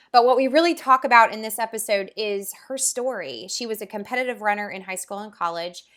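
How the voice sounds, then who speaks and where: A woman's voice: mid-range voice, bright, forceful tone. Woman, podcast host, upbeat, enthusiastic, casual chat.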